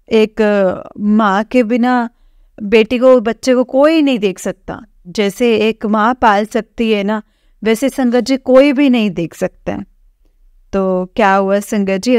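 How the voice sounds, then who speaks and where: A young woman from Jammu shares a personal testimony with a spiritual gathering. She speaks slowly in a smooth, clean voice, recorded close and dry. Her telling is halting, full of fillers and repeated phrases. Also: mid-range voice, darkish tone, no echo. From Jammu, India. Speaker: devotee sharing testimony.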